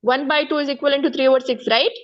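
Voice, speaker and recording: A woman's voice: sits high, steady tone, very fast, lo-fi sound. A woman with a South Asian accent teaching maths one-to-one step by step, repeating herself and often checking that the pupil follows. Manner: repetitive, frequent check-in questions. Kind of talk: one-to-one lesson, explaining step by step.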